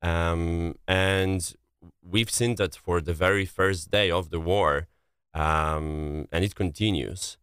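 A man from Poland with a thick Polish accent, answering as an interview guest and often pausing to search for words. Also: deep voice, steady tone, a bit bright, clear, resonant tone, no echo, clean studio sound. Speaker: interview guest, relief coordinator.

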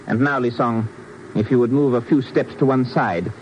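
An actor playing a suave, menacing East Asian army lieutenant in a 1950s radio drama, mockingly courteous and formal. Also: male voice, mid-range voice, fairly even intonation, normal speed, muffled recording, close to an everyday voice. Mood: suavely menacing. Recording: old noisy band-limited 1950s radio recording.

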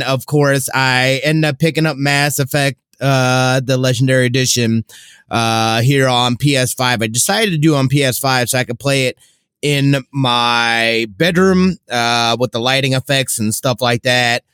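Male co-host, clean smooth voice, mid pitch, easy informal talk. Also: fairly even intonation, measured pace, a bit bright, no echo, clean studio sound. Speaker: podcast co-host. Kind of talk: casual chat.

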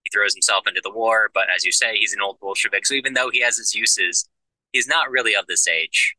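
Low, bright-toned man, steady explainer. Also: a little fast, dry recording, rough recording. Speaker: podcast co-host discussing a novel. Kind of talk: casual book discussion.

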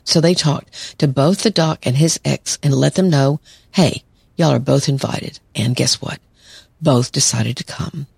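Gravelly reflective woman. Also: very deep voice, a little slow, darkish tone, dry recording. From southern United States. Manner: reflective, storytelling. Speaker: podcast host, therapist. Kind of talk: advice podcast monologue.

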